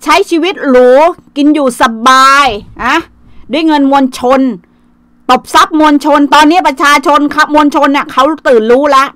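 High-voiced, foul-mouthed woman livestreaming. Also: steady tone, moderate pace, sharp tone, no echo. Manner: coarse, swearing, taunting. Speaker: livestream host. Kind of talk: casual livestream rant. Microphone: phone livestream.

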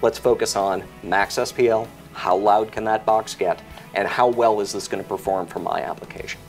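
A man's voice: on the low side, fairly even intonation, normal speed, faint music behind. American man explaining technical details methodically. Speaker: product expert. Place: indoor product display set.

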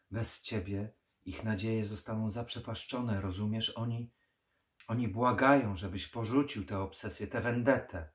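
A man's voice: fairly low pitch, close to an everyday voice. A man voicing the ghost of a sad mother who pleads and gives solemn warnings in an audiobook horror reading. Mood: pleading. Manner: pleading then solemn, foreboding.

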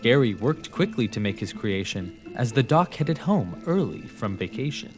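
A man narrating a rhyming children's story in a theatrical, rhythmic, expressive way. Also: medium pitch, normal speed. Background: music.

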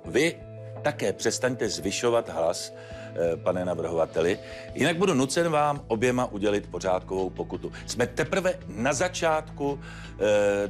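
An actor playing a stern, formal judge who admonishes the parties with frequent hesitant fillers. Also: male voice, on the low side, sing-song, soft background music. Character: stern measured male judge, controlled. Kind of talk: courtroom TV show acting.

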